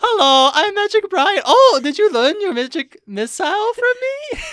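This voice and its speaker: The speaker uses a put-on character voice. Its pitch swings very widely. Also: woman, extremely high pitch for a woman, moderate pace. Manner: cheerful, friendly, eager.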